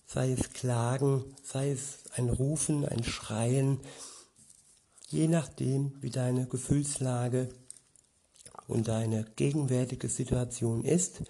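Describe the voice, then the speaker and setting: Unhurried male preacher, dark husky voice, reflective and hesitant delivery. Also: medium pitch. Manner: slow, reflective, with frequent hesitations. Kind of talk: informal Bible teaching.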